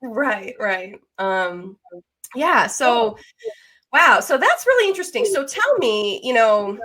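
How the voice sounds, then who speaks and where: A woman's voice: on the high side, big pitch swings, slow, bright, forceful tone. A woman, around her thirties, hosting a casual conversational interview in a chatty, informal way. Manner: chatty and informal, with mild swearing. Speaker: podcast host interviewing a guest.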